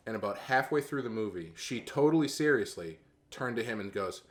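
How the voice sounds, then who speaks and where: A man co-hosting a podcast in casual chat, talking in a relaxed, hesitant way with many restarts. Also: fairly low pitch, brisk. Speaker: co-host.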